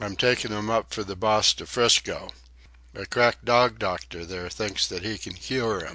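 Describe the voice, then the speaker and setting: A man puts on a gruff, rumbling character voice, pitched fairly low. He speaks at a moderate pace against a quiet background. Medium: read story. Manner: gruff, grumbling.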